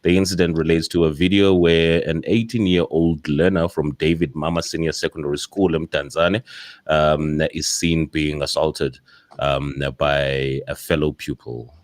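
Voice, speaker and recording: Deep-voiced South African man, rambling. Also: fairly even intonation, normal speed. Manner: rambling, many fillers and restarts. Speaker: podcast host. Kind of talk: casual podcast discussion.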